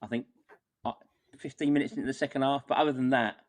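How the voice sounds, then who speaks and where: Man, medium pitch, casual football review, podcast guest, wordy, exasperated, halting repetitions. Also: fairly even intonation.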